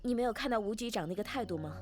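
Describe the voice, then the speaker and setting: An actress playing an inquisitive, insistent police secretary in a Chinese period TV drama, pressing with questions. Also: female voice, a little high, lively intonation, very fast, over music, natural voice. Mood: probing.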